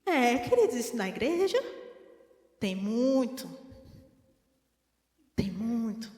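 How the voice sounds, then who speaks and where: A woman with a Brazilian Portuguese accent preaching a teaching sermon in an animated way, acting out the voices she quotes. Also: on the high side, slow pace. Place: church hall. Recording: echoey church hall.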